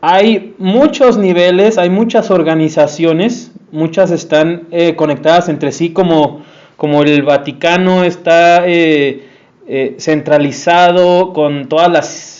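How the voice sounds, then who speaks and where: Speaking at a very slow pace, the man has a high pitch. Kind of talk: roundtable discussion talk.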